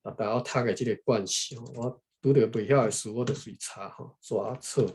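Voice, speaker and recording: A man from Taiwan reading a history book aloud unscripted, thinking aloud, pausing to look up words and adding frequent tag particles. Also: medium pitch, fairly even intonation, darkish tone, slight background noise. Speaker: reader explaining a history book to viewers. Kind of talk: unscripted read-aloud with running commentary.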